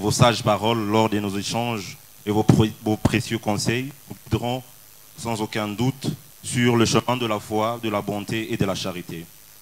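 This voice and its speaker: With a plain, everyday voice, a man speaks at a fairly slow pace, fairly low in pitch and with fairly even intonation. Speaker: youth movement president. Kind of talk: formal welcome speech. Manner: formal.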